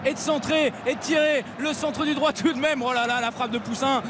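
Excited high-pitched male football commentator. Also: brisk, background noise. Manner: exclamatory, repeats phrases when excited. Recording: radio broadcast over loud stadium crowd, music. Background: roaring stadium crowd.

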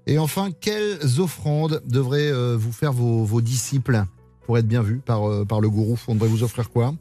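A man's voice: mid-range voice, normal speed, mellow, soft background music. A man hosting a radio show, asking playful, teasing questions of his guest. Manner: teasing, friendly interviewer. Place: radio studio.

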